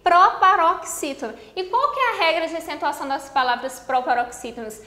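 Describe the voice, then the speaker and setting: Brazilian lady teacher, high bright voice, quizzes the class then answers herself, echoey room. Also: lively intonation. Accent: Brazilian Portuguese. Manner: explains step by step, asks the class questions and answers them; stretches out key words slowly. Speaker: Portuguese teacher. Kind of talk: exam-prep grammar lesson.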